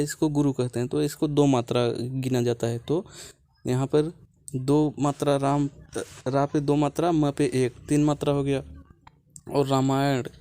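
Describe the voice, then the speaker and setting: Guy teacher going thru a lesson plan slowly, patient, repeats stuff a lot, mid pitch, dry close mic. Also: mellow, no echo. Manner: patient, repeats points, says "ठीक है" often. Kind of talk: explaining a lesson plan step by step.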